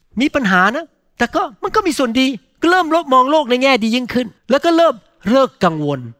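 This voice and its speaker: The sound is dry and close with no echo as a man speaks at an extremely high pitch, with lively intonation and a bright, sharp tone. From Thailand. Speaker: pastor. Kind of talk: sermon.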